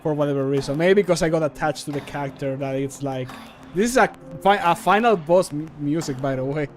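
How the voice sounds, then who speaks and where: A man's voice: on the high side, brisk, a little hiss or hum. A man in his thirties rambling casually as he streams, with loose, sweary chat. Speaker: streamer and mod maker. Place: small home room, indoors. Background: background music.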